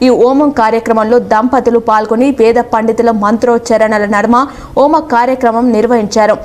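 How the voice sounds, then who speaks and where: A woman's voice: a little high, brisk. Woman reading local news, formal. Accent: Telugu. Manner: steady formal reading of names. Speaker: news reader. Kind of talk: scripted news narration.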